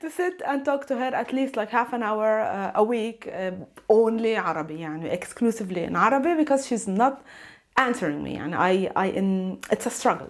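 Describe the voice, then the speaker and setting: A woman in her thirties, an Arabic teacher guest, chatting in a casual interview, laughing often and dropping Arabic words into her English. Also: fairly high pitch. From Arab world.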